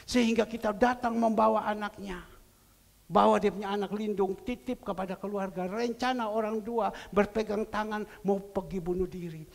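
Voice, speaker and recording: Man, pastor, sermon, high pitch, gravelly voice, church hall reverb. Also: fairly even intonation, moderate pace. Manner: emotional preaching, swinging from soft to loud. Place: church sanctuary.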